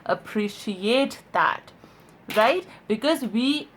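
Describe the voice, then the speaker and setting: A woman's voice: fairly high pitch, expressive. A woman who is a non-native English speaker teaches an explanatory video lesson as a coach, stressing and stretching key words and often checking in with short tags. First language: not English. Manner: emphatic, drawn-out key words, frequent check-in tags like "right?". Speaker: online voice and accent coach.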